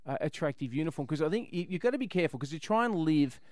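A man's voice: on the high side, animated, rapid-fire, dry recording, studio quality. An Australian man hosting a radio show with casual, irreverent comedy banter and a jokey, rambling way of talking.

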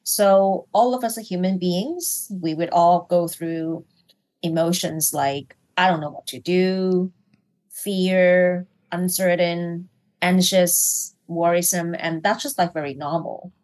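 Hong Kong woman coaching leaders, low voice. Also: fairly even intonation, takes it slowly, a little mellow. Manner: thoughtful, many fillers and restarts. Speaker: executive coach, guest. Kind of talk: conversational business interview.

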